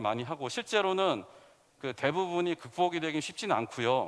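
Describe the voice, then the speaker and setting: A man at a moderate pace with lively intonation, on a very clean recording with a silent background. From South Korea. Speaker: startup founder and CEO. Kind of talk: conference presentation. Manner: halting, with many fillers.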